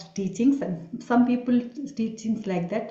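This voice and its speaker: Somewhat breathy, the voice holds a fairly even intonation in a recording with audible room echo. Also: woman. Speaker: meditation channel host. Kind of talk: online meditation group talk. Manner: halting.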